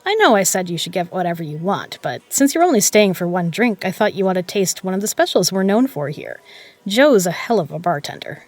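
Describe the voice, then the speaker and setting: A woman playing a shrewd, proud poker legend who runs a bar, brash, sardonic and quick to swear, in an audio drama. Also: fairly low pitch, big pitch swings. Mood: slyly friendly. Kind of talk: dramatic audio roleplay acting.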